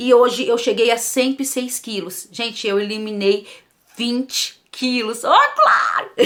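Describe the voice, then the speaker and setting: A woman with a plain, everyday voice, fairly high in pitch, at a fairly slow pace. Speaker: vlogger, mother of two. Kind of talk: casual vlog talk to camera.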